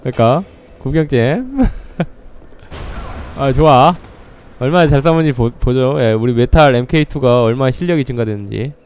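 Male game commentator, unhurried delivery, playful with sudden startled outbursts. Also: mid-range voice, expressive, darkish tone, a little hiss or hum. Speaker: gameplay commentator.

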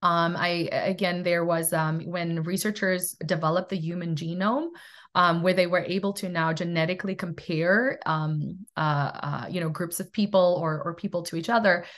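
A woman's voice: lowish voice, steady tone, normal speed, a bit bright. A middle-aged woman from South Africa giving a recorded lecture from home over webcam, earnest and thoughtful, with many fillers and restarts. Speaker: presenter in a university research toolkit.

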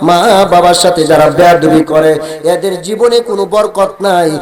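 A man's voice: high voice, moderate pace. A man with a Bangladeshi Bengali accent preaching a sung waz sermon, chanting and calling on the crowd to answer. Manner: chanting, calls the crowd to respond.

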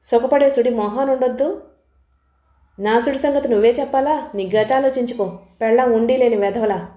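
A fierce young wife with a cutting, scornful tongue, as the narrator puts her on. The voice is fairly high and mellow, with a roomy echo around it. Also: normal speed, lightly acted.

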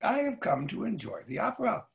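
A domineering older brother in a stage drama, acted by a middle-aged man. His voice is rough and deeply creaky, with lively swings in pitch. He speaks to control and command. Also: brisk, full character voice. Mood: cold, confronting. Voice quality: gravelly, husky. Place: book-lined room at home. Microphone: computer mic on video call.

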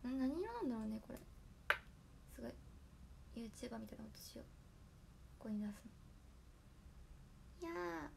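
A hoarse young woman chatting casually on her livestream, thanking viewers by name for their gifts. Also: on the high side, expressive, normal speed, long pauses, noisy background. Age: young adult. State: hoarse after a nap. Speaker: idol livestreamer.

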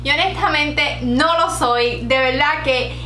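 A woman's voice: high voice, slow, sharp tone, roomy sound, a little hiss or hum. A woman in her late twenties with a Puerto Rican Spanish accent, chatting giggly to camera as a beauty vlogger, dropping in English words. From Puerto Rico. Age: late 20s. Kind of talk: casual chat to camera. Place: bright home room with shelves. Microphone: camera at desk distance.

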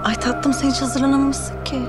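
A young actress playing a scheming rival who talks to others in a sugary, mocking, patronizing way, in a TV drama. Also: female voice, high voice, fairly even intonation, normal speed, close to an everyday voice. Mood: taunting. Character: sly, condescending young woman rival. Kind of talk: television drama acting. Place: hotel meeting hall. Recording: scene music underneath.

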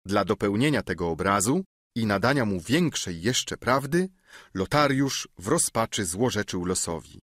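A man narrating an audiobook in scripted narration, with an expressive, dramatic way of reading. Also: lowish voice, moderate pace, no room sound, studio quality.

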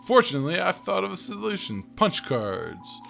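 A hapless but hopeful animal ice cream seller from a video game, voiced by a man, earnest in his pitch. His voice is bright and often lifted, over game music. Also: wildly swooping pitch, normal speed, gravelly, exaggerated voice.

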